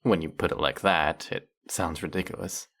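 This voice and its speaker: A man's voice: low-pitched, steady tone, moderate pace, a bit bright. A man playing a teasing, sarcastic, flirtatious male faerie in a scripted roleplay monologue, scolding the listener with dry, theatrical playfulness. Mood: sarcastic, mocking.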